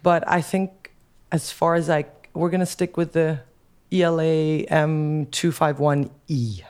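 A woman music producer with a deep, dark voice, chatting as a podcast guest, enthusiastic and hesitant with lots of fillers and restarts. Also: fairly even intonation, measured pace, smooth. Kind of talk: casual podcast chat.

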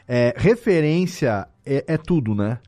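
A man's voice: mid-range voice, expressive, measured pace, warm tone, soft background music. A Brazilian man hosting a podcast in casual conversation, informal and slangy, swearing lightly. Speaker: podcast host. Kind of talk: casual chat.

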